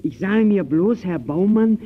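A man's voice: high voice, lively intonation, a little slow. An actor playing a dismissive, self-satisfied bourgeois man who blusters colloquially in an old radio play. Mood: scoffing. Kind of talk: 1920s German radio play dialogue. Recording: dull old radio recording, faint noise.

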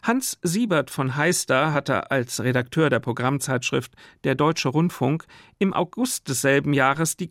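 A man's voice: fairly high pitch, dry recording, studio quality. A man hosting a radio programme, speaking in an articulate, analytical way. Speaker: radio host. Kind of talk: scripted narration and expert conversation about radio history. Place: dry studio.

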